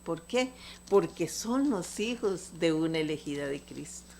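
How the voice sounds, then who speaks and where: A woman's voice: low-pitched, expressive, unhurried, creaky, a little mellow, slight background noise. An older woman, preaching a sermon with earnest fervor and asking her listeners rhetorical questions. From Costa Rica. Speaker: lay preacher.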